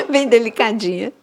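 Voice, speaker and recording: Podcast host laughing along. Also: female voice, a little high, husky. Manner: brief reactions, laughs along. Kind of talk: conversational interview.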